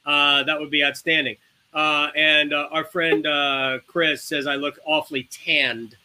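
High-pitched, bright-voiced male sports host. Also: level tone, unhurried. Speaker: sports show host introducing a guest. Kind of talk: casual sports chat.

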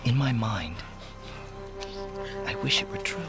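An actor playing a proud, brooding Native American man in a radio drama, speaking formally and with deliberate intensity. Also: mid-range voice, expressive. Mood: anguished, earnest. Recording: radio play with loud music underneath.

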